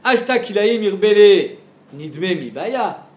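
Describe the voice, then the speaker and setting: A man's voice: sits high, expressive, slow, darkish tone, echoey room. A man giving a daily Talmud lesson, explaining step by step, asking his listeners questions and mixing in Hebrew and Aramaic terms. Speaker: Talmud teacher.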